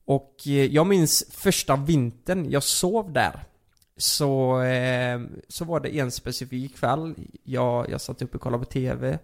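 A man's voice: medium pitch, vocal fry. A young man telling a personal story in a casual chat, rambling with lots of fillers and restarts.

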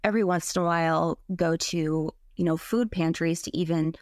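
A woman's voice: on the low side, fairly even intonation, moderate pace, no room sound, studio quality. A woman in her thirties, a renter, speaking hesitantly with fillers about her costs. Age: 30s. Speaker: interviewed renter. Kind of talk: interview testimony.

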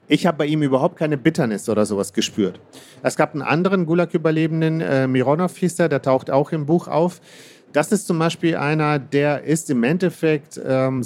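A man from Kazakhstan speaks as an interviewed author, mid-pitched and measured. He weighs his words, pausing on fillers and restarting sentences as he thinks. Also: darkish tone. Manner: thoughtful, hesitant, many fillers and restarts. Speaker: author guest. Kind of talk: interview answers.

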